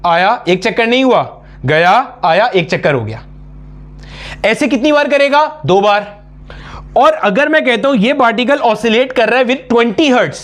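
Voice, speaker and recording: A man's voice: extremely high pitch, fairly bright tone. A man teaching a physics lecture at a board for exam preparation. He explains step by step, asks his students questions, answers them himself, and calls them "beta" in a familiar way.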